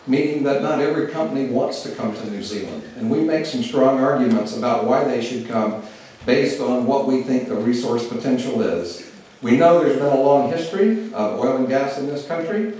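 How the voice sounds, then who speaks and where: A middle-aged man from Oklahoma, giving a measured public speech as a government speaker on oil and gas, often pausing on "uh". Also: mid-range voice, a little mellow. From Oklahoma, USA. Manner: measured, many "uh" fillers. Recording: roomy hall, distant mic.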